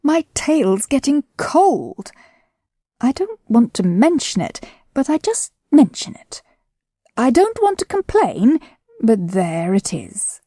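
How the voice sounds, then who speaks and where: A glum old donkey grumbles at a crawl, put on by a woman reading aloud. The tone is mellow and breathy, each complaint drawn out. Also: on the high side, very animated, no echo, studio quality, voice pushed up, heavily acted. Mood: gloomy complaint. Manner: slow, mournful grumbling.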